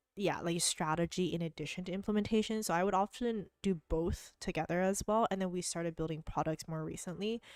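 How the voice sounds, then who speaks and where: A woman at a medium pitch, fairly quick and with hardly any pauses, fairly even in intonation, in a very clean recording with a silent background and a dry, close sound with no echo. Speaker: tech content creator. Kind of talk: livestream chat with viewers. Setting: livestream. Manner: mumbling, not loud. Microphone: talking very close to the mic.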